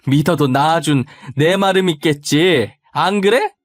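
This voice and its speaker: Brief: man doing a shrill older woman, a cruel mother-in-law, yelling taunts, voice pushed high, dry close sound. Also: a little slow, dry recording, soft background music, close to an everyday voice. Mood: taunting. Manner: scolding and taunting.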